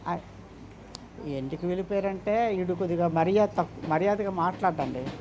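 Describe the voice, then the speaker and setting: A man's voice: high voice, moderate pace, muffled recording, background noise. An older man answering interview questions about his son, speaking emphatically and often repeating himself or quoting what others said. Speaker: interviewee, the father of a man in the news.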